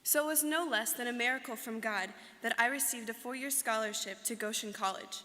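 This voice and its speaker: A woman's voice: a little high, brisk, sharp tone. A young woman, a student actor, giving an earnest, rehearsed account of a life in the first person. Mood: earnest recollection. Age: young adult. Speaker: student performer in a dramatic reading. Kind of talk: rehearsed staged monologue. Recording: live reading in reverberant hall.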